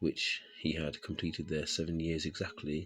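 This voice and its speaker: A man speaks quietly in a somewhat breathy, very deep, low voice. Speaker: online preacher. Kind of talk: religious teaching; reading aloud. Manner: casual.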